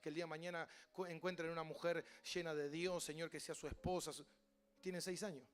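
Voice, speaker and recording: A man with an Argentine Spanish accent, a pastor preaching a sermon with passion, mimicking voices and building to loud cries. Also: on the high side, level tone, fairly quick.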